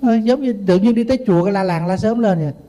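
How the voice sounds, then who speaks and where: A man's voice: sits high, racing. A middle-aged man with a Southern Vietnamese accent, preaching as a Buddhist monk, telling humorous anecdotes in a sermon. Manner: lively anecdotal storytelling with humor.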